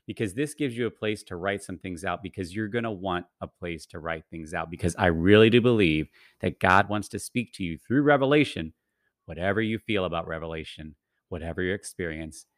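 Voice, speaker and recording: A man's voice: sits low, fairly bright tone, no room sound, clean studio sound. A podcast host, a man, reading a friendly and persuasive promotional announcement.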